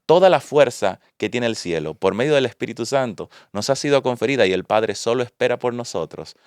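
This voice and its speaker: A man hosting a Christian podcast, telling a story in a measured, steady way and then signing off. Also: mid-range voice, clear, resonant tone, dry recording, studio quality. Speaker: podcast host.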